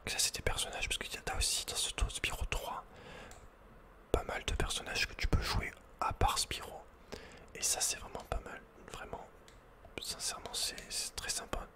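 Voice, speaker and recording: Male, whispered, breathy and soft, ASMR gaming host, casual murmured commentary, slangy asides. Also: normal speed.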